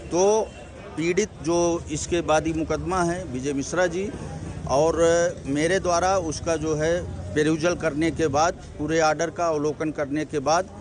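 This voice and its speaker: Man, lawyer at a press statement: measured, legalistic, a bit higher pitch, outdoors by traffic. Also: fairly even intonation, crowd noise. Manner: formal, legalistic, mixes English legal terms. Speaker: complainant's lawyer.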